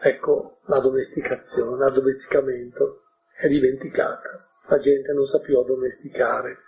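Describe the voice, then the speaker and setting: A man's voice: mid-range voice, dull audio. A male preacher giving a sermon, reading from a storybook and explaining it, often adding "eh?" and "no?". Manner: explains warmly, tags with "eh?" and "no?". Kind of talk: sermon with a read-aloud storybook.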